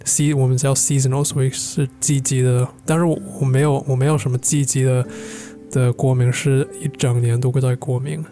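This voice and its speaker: A medium-pitched, warm male voice with little pitch movement and normal speed comes from an English-speaking podcast co-host. In his casual learner's Mandarin chat, backed by soft music, he gropes for words and mixes English in.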